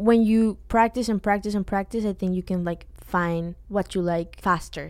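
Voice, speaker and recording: In a Colombian accent, a woman talks at a moderate pace with a medium pitch. Her intonation is fairly even. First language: Spanish. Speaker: film student and director. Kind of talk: casual interview chat.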